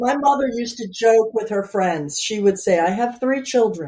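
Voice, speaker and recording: An American accent with a dark, mellow tone at a moderate pace. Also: woman. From New York. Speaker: romance author. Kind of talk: casual chat.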